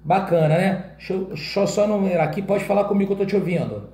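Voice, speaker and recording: A man's voice: sits high, fast, dark tone, echoey room. A man teaching an exam-prep class in Brazilian Portuguese in a casual way, often checking in with his students.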